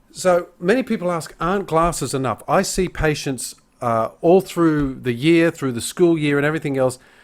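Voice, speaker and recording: Barely pausing at all, a man with an Australian accent talks in a fairly high pitch. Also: ordinary pitch variation, moderate pace. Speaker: behavioural optometrist. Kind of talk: webinar presentation.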